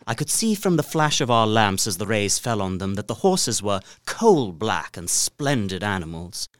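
An actor playing an earnest, uneasy gentleman traveller, narrating his journal in a deliberate, literary gothic drama style. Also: lowish voice, dry recording. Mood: fearful awe. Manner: literary, deliberate, expressive storytelling.

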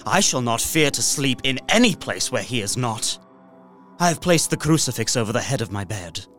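An actor playing an anxious young man trapped in a castle, narrating a diary in a gothic horror audio drama with dramatic hushed dips and swells. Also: medium pitch, sing-song, moderate pace, faint music behind. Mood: uneasy, weary.

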